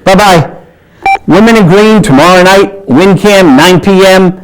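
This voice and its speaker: Male community TV host, high-pitched, upbeat sign-off delivery. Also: measured pace, background noise. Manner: brief, upbeat sign-off announcements. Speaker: show host. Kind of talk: casual studio interview. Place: community TV studio.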